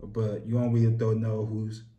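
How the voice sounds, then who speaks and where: Mellow-voiced American man chatting easily. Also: lowish voice, moderate pace, highs cut off. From United States. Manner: relaxed, candid, repeats "you know what I mean". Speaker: interview guest. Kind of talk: casual conversation. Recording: echoey room.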